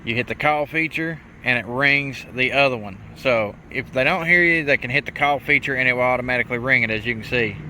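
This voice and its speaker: A man's voice: mid-range voice, a little fast, few pauses, heavy background noise. A man giving a casual hands-on gadget review in a folksy, plainspoken way with colloquial grammar. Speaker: product reviewer, mechanic.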